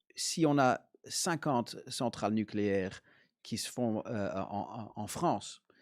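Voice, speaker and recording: Speaking with a Dutch accent, a man uses a fairly low pitch with ordinary pitch variation, in a dry, close sound with no echo on a very clean recording with a silent background. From Belgium, Antwerp. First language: Dutch (speaking French). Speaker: politician. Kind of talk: radio interview. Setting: radio studio. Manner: halting.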